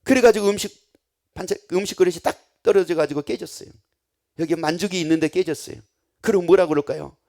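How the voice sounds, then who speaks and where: A man with a fairly high voice delivers a Sunday sermon. He talks like he is chatting with the congregation, slipping into the voices of people in his examples. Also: fast talker, creaky, a little mellow. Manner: conversational preaching, acting out everyday scenes in quoted voices. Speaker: pastor.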